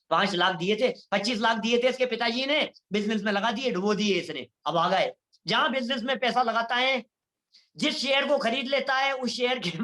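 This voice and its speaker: Man, Jain lecturer, devotional sermon, bright forward voice, acts out quoted voices. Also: very high voice. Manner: addresses listeners as bhai sahab, acts out quoted voices. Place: online lecture series.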